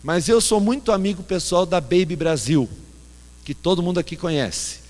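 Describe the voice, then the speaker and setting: Recorded in a church hall full of long reverb, a pastor delivers a sermon woven with anecdotes, mocking himself as he animatedly tells stories. His voice sits high and he keeps a moderate pace.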